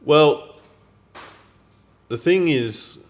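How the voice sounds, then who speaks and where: An Australian man co-hosting a podcast, telling anecdotes in casual chat with a blokey, slangy, animated manner. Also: on the high side, extremely slow. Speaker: podcast co-host.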